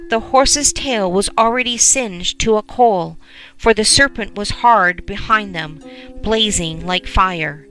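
A woman narrating a folk tale in measured storytelling. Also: mid-range voice, pushed and bright, low-quality recording.

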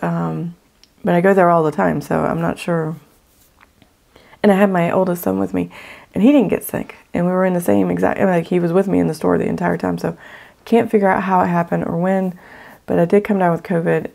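A middle-aged woman chats to her viewers from her table at home, her voice raspy and gravelly after a recent illness. The tone is dark and mellow, loose and friendly, full of ums and thank-yous. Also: on the low side. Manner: warm, grateful, chatty with fillers. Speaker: faith channel host. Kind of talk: casual chat to viewers. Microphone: overhead camera, speaker off screen.

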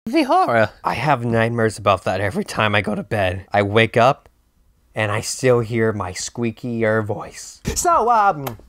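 A man's voice: fairly low pitch, wildly swooping pitch, unhurried, fairly bright tone. A man in his twenties giving rambling, theatrical comedic commentary as a YouTube host, often interrupting himself, speaking into a close handheld microphone. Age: 20s. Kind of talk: comedic fandom commentary to camera. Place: small bare-walled room indoors. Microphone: handheld microphone close to the mouth. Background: background music.

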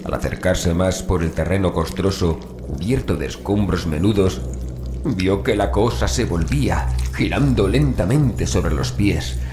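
A man narrating a horror audiobook in a measured, dramatic way with deliberate pauses. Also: low voice. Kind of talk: scripted horror story narration. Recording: roomy echo, faint background noise.

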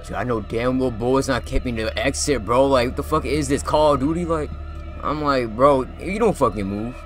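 A young man giving casual, profane commentary as he plays a horror game, often breaking into loud yelps and swearing at what happens on screen. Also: mid-range voice, steady tone, brisk, faint music behind. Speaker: gaming YouTuber.

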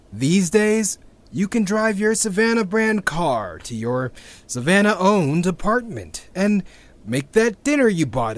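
An actor playing a disillusioned, sweary activist in a sci-fi audio drama, sardonic and halting as he records a confession. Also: fairly high pitch. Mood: bitter, sardonic. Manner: sardonic, halting, with sighs and wry laughs. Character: bitter, disillusioned male activist, weary and sweary.

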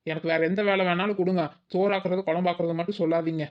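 A woman's voice: fairly low pitch, fairly even intonation, fast, dull audio, natural voice. A woman voicing a lazy, cheeky young village daughter-in-law in a cartoon, dodging cooking with sly excuses. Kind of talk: village cartoon comedy acting.

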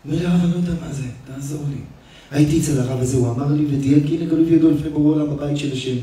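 A man, a rabbi, preaching an emotional sermon and telling stories, his delivery swinging between loud and hushed. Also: fairly high pitch, fairly even intonation. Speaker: rabbi giving a lesson. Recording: echoey hall, speaker far from the mic.

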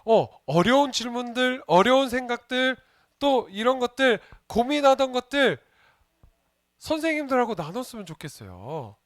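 The man's voice is very high, swinging widely in pitch, fairly bright and at a moderate pace. He's a junior pastor giving a children's sermon in a playful way, questioning the kids and joking with them. The studio-quality audio has no echo.

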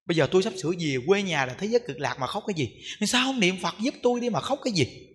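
A man's voice: sits high, sing-song, a little fast, a bit bright, long reverb tail. A man quoting a stern devout old woman. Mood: scolding. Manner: scolding, insistent rhetorical questions. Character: stern devout elderly woman, sick but unafraid.

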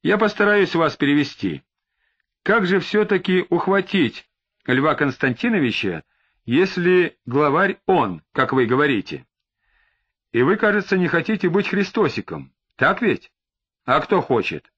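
A man's voice: fairly high pitch, big pitch swings, a bit bright, slightly rough, dry recording, full character voice. Brief: disdainful detective interrogator, read by a male narrator, dull recording. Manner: measured, patient questioning.

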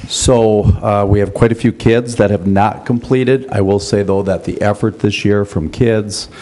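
A man's voice: on the low side, fairly even intonation, measured pace, warm tone, poor audio. A man in his fifties giving an informal report as a school principal at a podium microphone in a meeting room. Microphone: gooseneck podium microphone.

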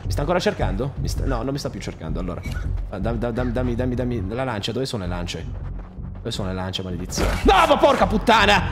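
A man commentating his own survival game playthrough, excitable and swearing, shouting at the enemies. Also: medium pitch. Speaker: gaming streamer. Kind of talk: let's play commentary. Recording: music in the background.

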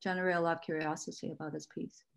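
A woman's voice: low-pitched, little pitch movement, rapid-fire, gravelly, slight background noise. A young woman on a video call giving casual, reflective commentary in an informal, conversational way. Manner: informal, frequent "like" and "you know". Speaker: artist, panel guest.

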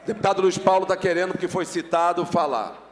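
A man's voice: sits high, steady tone, fast, in a large hall. A man chairing a legislative session in a chamber, firm and procedural, repeating polite requests. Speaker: session president.

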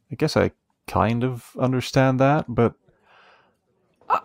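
An actor playing a friendly, protective young café worker in a romance audio roleplay, curious and admiring, gently teasing with hesitant pauses. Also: male voice, mid-range voice, creaky, no room sound. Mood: curious, sympathetic. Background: soft guitar music.

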